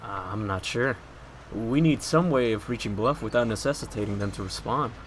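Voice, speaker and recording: An actor playing a serious, measured man with formal, precise wording in an audio drama. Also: fairly low pitch, a little hiss or hum, close to an everyday voice. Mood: serious, uncertain. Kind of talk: acted dialogue in an audio drama podcast.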